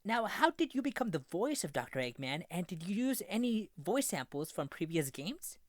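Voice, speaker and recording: An interviewer asks questions at a middle pitch, keeping the prompts brief and friendly. The sound is close and dry. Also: sing-song, normal speed, no echo.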